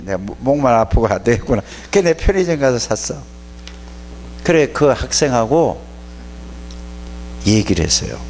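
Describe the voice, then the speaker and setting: A man's voice: mid-range voice, a little hiss or hum. A man preaching a sermon to young people as their pastor, telling stories and scolding them in plain words. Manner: animated, scolding, plain-spoken storytelling. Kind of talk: sermon to youth.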